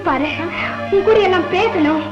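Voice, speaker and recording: A young unmarried woman in an old film, pleading in a very high, earnest voice. The sound is echoey, from a 1960s soundtrack, with loud music underneath. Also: normal speed, muffled recording. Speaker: film character.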